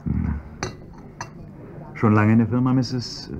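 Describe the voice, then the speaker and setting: A man's voice: on the low side, animated, slow, creaky, warm tone, full character voice. An actor playing a polite, ingratiating and evasive male chauffeur in a radio drama. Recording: dull lo-fi recording, faint hiss.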